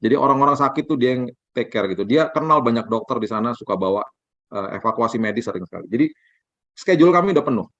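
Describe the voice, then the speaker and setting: A man's voice: mid-range voice, fast, no echo. A middle-aged man preaching a sermon, telling a personal story and acting out the dialogue in it. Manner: animated storytelling, acts out dialogue. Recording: dry, dull lo-fi sound.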